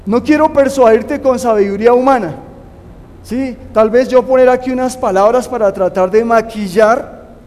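A man's voice: very high-pitched, normal speed, a little mellow. A man preaching a sermon, earnestly urging his listeners to put their trust in God. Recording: long hall reverb.

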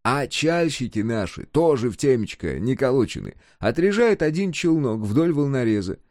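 A man's voice: medium pitch, big pitch swings, moderate pace, darkish tone, no echo, studio quality, pitched above the performer's own voice. A man voicing a sly, grinning working man who jokes and explains things in a knowing, teasing way, in an audiobook. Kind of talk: audiobook character voice.

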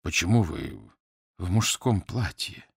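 A man voicing a hoarse, weary wounded lord. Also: low voice, moderate pace, no echo, studio quality, voice pushed down. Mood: drowsy. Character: wounded captive English lord, weak, dry-humoured.

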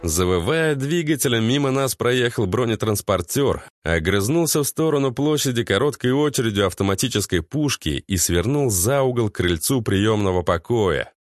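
A man giving steady, measured first-person audiobook narration. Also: mid-range voice.

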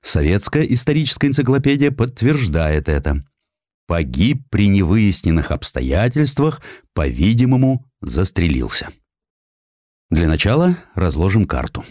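A man with a deep voice narrates historical prose like a storyteller. His delivery is measured and theatrical, and the sound is dry, with no room around it. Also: very animated, a little mellow, dry recording. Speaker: audiobook narrator.

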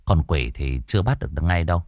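A man voicing Cậu Tẩy, a stern young male exorcist who talks low, curt and muttered. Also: animated, a little fast, a little mellow, dry recording.

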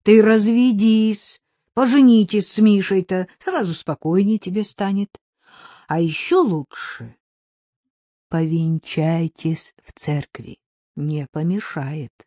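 A woman's voice: mid-range voice, takes it slowly, mellow, no room sound, studio quality. A woman voicing a kindly, plain-spoken older village woman who gives homely advice in an audiobook. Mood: warm advising.

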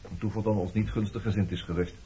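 A man's voice: on the low side, fairly even intonation, fast, warm tone, husky. An actor playing a reserved, evasive former resistance man in a Dutch radio play, talking in a guarded way. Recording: muffled, noisy old radio recording.

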